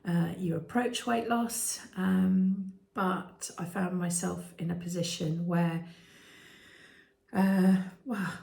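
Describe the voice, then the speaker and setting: A British woman in her fifties, vlogging candidly with many ums and restarts and a voice that turns croaky at times. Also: on the low side, fairly even intonation, slow pace, a little mellow. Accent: British English. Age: 50s. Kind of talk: candid personal vlog. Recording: echoey room.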